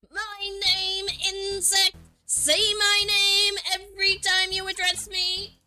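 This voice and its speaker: Over music in the background, a put-on character voice drones at a very slow pace in a monotone, flat delivery. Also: woman, extremely high pitch for a woman. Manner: domineering, barking.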